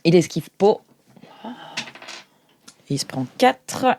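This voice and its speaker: A woman's voice: lowish voice, big pitch swings, slow pace, darkish tone, slight background noise. Casual woman running a tabletop game. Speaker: game master. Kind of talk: improvised tabletop roleplay narration, casual.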